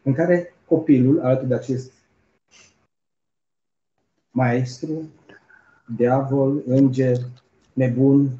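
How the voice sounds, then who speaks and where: Keynote lecturer, male, very dark mellow voice; storytelling delivery with rhetorical asides, roomy hall sound. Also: medium pitch, fairly even intonation, pauses often. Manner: storytelling with frequent rhetorical "nu?" tags. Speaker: keynote speaker. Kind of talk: academic lecture, retelling a story. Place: conference hall. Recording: roomy, dull lo-fi lecture recording.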